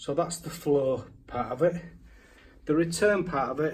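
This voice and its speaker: This man speaks at a very slow pace. His voice is somewhat breathy. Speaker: plumber. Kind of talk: casual tutorial talk to camera.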